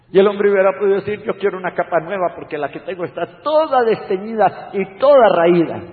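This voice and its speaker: A man delivers an evangelistic sermon with a fairly high voice. He swings between loud, urgent warnings and quiet, pleading lines. The recording is tinny and phone-like, with a long reverb trailing through a large hall. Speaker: preacher. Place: church hall.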